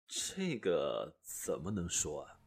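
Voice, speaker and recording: A man playing a wary, greedy black-market broker in a radio drama, husky and hesitant. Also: deep voice, huge pitch swings, soft background music, exaggerated voice. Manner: hesitant, drawn-out, cagey. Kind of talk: Chinese radio drama acting.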